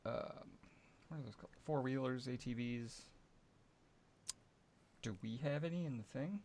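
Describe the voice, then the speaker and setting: The player at the end of the gaming table, a man with a gravelly, mid-pitched voice tossing in casual asides. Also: a little slow, darkish tone.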